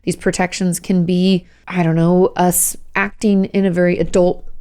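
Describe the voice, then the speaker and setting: A hoarse woman, hosting a casual advice podcast as a therapist and explaining things patiently with frequent "okay?" check-ins. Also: fairly low pitch, flat delivery, normal speed, mellow. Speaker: host, licensed therapist.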